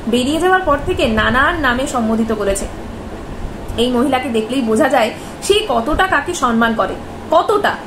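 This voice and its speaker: Young woman, commentary vlog, indignant rhetorical questioning, high voice, audible background noise. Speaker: vlogger. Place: bedroom, indoors. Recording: echoey room with background noise.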